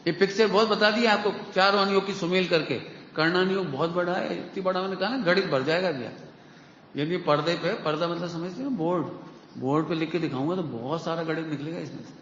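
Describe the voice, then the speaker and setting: A man giving a devotional sermon to a gathering, lively and questioning, repeating key phrases to his listeners. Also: fairly high pitch, a little fast. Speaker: Jain preacher. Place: large hall with an audience. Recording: echoey hall, dull lo-fi sound, faint hiss.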